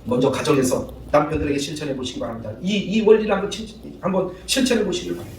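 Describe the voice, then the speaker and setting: Animated, fast-talking male pastor. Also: a little high, roomy sound, distant mic, a little hiss or hum, rough recording. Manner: lively, calls out to the congregation for responses; acts out spouses' lines in changed voices. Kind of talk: sermon. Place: church sanctuary.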